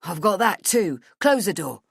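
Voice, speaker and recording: Exasperated male boss, played by a female narrator, blunt and challenging, low register, audiobook drama, dry close sound. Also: very animated, measured pace, creaky, breathy edge, no echo, exaggerated voice. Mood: irritated, weary. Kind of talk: audiobook character dialogue.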